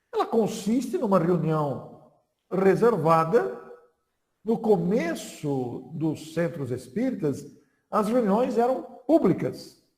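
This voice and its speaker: A man's high-pitched voice, dark and mellow in tone, with very wide pitch swings, a very slow pace and audible room echo. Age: 60s. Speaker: spiritist lecturer. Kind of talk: lecture.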